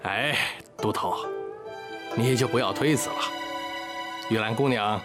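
An actor playing a genial, scheming official in a period drama, speaking in an officious, coaxing and effusive way. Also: male voice, mid-range voice, measured pace, close to an everyday voice. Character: scheming genial official, male army inspector matchmaking over wine. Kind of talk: Chinese period drama acting. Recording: loud background music.

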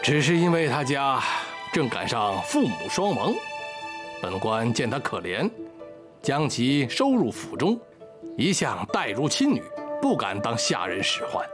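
An actor playing a genial, scheming official in a period drama, speaking in an officious, coaxing and effusive way. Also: male voice, medium pitch, very animated, a little slow. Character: scheming genial official, male army inspector matchmaking over wine. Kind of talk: Chinese period drama acting. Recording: loud background music.

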